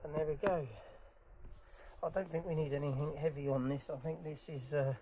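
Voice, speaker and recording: A man's fairly high voice, with fairly even intonation and a moderate pace, guides listeners through a casual hands-on DIY tutorial while he works, partly out in a garden. Clicks, handling sounds and general noise run through the recording.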